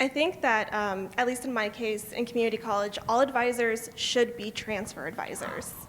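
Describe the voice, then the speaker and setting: Noticeable background noise sits behind a speaker with a Californian accent. The delivery is at a moderate pace with fairly even intonation and hardly any pauses. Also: woman, fairly high pitch for a woman. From California, Davis area. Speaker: transfer student ambassador. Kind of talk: panel discussion.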